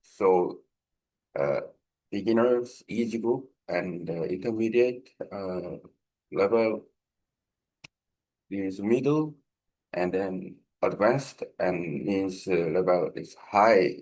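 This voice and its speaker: A man from Korea speaks English with a Korean accent in a fairly low voice. His pace is very slow and halting as he searches for simple words. He sounds like a language learner informally explaining a practice exercise. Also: darkish tone, low-quality recording.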